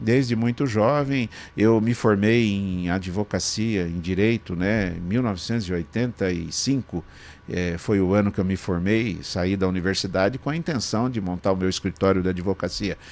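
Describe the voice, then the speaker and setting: A man's normal speaking voice, fairly low in pitch, at a moderate pace with ordinary pitch variation. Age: 60s. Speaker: state legislator. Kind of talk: interview conversation. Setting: podcast studio.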